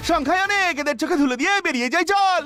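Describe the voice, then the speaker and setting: Squeaky cartoon bunny, extremely high, excitable, cocky, goofy, over music. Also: very fast. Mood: eager. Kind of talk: children's cartoon dubbing. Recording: music behind the voice.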